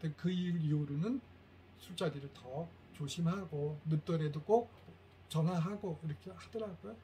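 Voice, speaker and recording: A middle-aged man lectures a room of parents in a fairly high voice. He tells stories and acts out the lines of the people in them, with lively swings in his delivery. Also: moderate pace, slight background noise. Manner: animated storytelling, acts out quoted lines.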